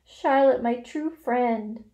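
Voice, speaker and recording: A woman's voice: on the high side, wildly swooping pitch, unhurried, muffled recording. A woman voicing a frantic, tearful young male pig who pleads urgently in a children's storybook. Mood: distraught. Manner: urgent, wailing exclamations.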